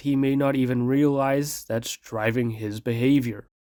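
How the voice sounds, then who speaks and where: On a very clean recording with a silent background, a man with a fairly high, dark, mellow voice speaks at a moderate pace with ordinary pitch variation. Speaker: Roblox drama commentary YouTuber. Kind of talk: scripted commentary.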